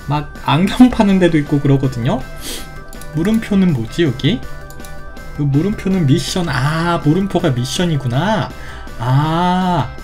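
A woman's voice: on the low side, warm tone. A woman commenting playfully on a game she is playing, with exclamations and silly sound effects. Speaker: gaming YouTuber. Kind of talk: game let's play commentary.

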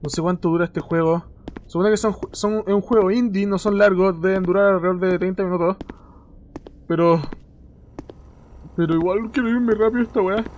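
A young Chilean man with a fairly high voice swears and yelps in fright as he plays a horror game, narrating what he sees. A faint hum sits under the recording. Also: fairly even intonation, fairly quick, long pauses, a little mellow. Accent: Chilean Spanish. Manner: swearing often and yelping in fright. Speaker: gaming youtuber. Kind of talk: horror game let's play commentary.

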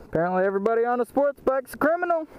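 A man's voice: extremely high pitch, very animated, rapid-fire. A young American man telling stories casually as he rides a motorcycle outdoors. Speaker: motorcycle vlogger. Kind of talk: casual storytelling chat while riding. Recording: loud vehicle and wind noise outdoors.

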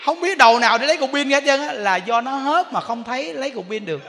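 High-voiced Southern Vietnamese monk preaching. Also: male voice, fast talker. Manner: animated, laughing storyteller addressing the audience. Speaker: Buddhist monk teacher. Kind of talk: sermon. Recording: long reverb in a large hall.

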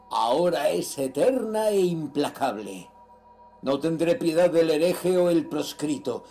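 A man's voice: fairly high pitch, gravelly, dark tone. An actor playing a ruthless cult leader reading his sinister diary in a horror audio drama, solemn, menacing and theatrical.

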